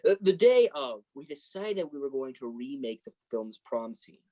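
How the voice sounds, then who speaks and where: A man's voice: medium pitch, very animated, moderate pace, mellow, lo-fi sound, close to an everyday voice. A man playing a sensitive, embarrassed college freshman in a play reading, guarded and dryly self-deprecating. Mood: fond, amused. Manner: self-deprecating, dry sarcasm. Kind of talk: staged reading of a play, naturalistic dialogue.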